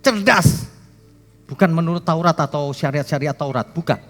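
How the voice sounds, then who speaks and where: A man preaching a sermon as pastor, emphatic and joking with the congregation, his voice swinging from loud to soft. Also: a little high, moderate pace, long reverb tail, faint music behind. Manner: jokes with the congregation.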